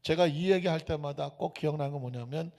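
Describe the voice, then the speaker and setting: A male pastor preaching a sermon, animated and joking, slipping into regional dialects now and then. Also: on the high side, brisk, gravelly. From Gyeonggi Province, raised in Seoul. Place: church sanctuary. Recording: echoey church hall.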